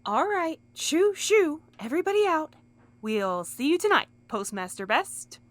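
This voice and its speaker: A woman acting in an audio drama as a brisk, bossy character. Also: high voice, sing-song, a little hiss or hum. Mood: brisk, shooing. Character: brisk, bossy woman hustling people along. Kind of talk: fiction podcast acting.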